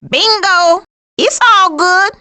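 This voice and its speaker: A woman with an American accent voicing a cranky, dry-witted female skunk in an animated video game, with a sassy, sardonic and folksy manner. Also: very high-pitched, slow, exaggerated voice. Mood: excited, urgent.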